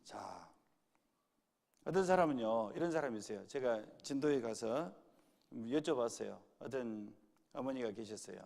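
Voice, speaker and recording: A man's voice: medium pitch, expressive, moderate pace, creaky, darkish tone. A male pastor preaching a sermon to his congregation in a church hall, quizzing them with repeated right-or-wrong questions.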